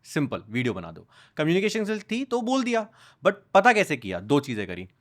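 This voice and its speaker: A young man, a podcast guest, talking in a casual conversation and telling animated stories as he switches between Hindi and English. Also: on the high side, a little fast. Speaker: podcast guest, content creator.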